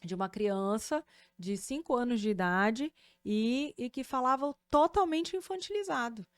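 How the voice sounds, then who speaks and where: A Brazilian-accented woman speech therapist talks through her topic like a patient teacher, animated and sure of herself. Her voice sits a touch high, and the recording is dry and close. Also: unhurried, clean tone, no room sound. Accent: Brazilian Portuguese. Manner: didactic, animated, checks in with "né?" and "tá?". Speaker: speech therapist and podcast host. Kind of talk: explanatory podcast conversation.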